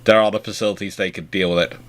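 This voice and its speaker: A man's voice: low voice, steady tone, rapid-fire. A British man hosting a live question-and-answer chat, talking discursively and often rephrasing himself mid-sentence. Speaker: host.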